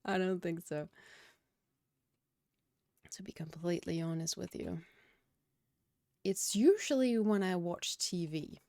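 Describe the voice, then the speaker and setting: A woman's voice: lowish voice, slow, pauses often, mellow, no echo, studio quality. A woman with a Danish accent, a game streamer chatting casually at her home computer and answering chat. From Denmark. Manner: chatty, reads out chat questions and answers them. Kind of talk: casual chat while gaming. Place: home room, windows and curtains.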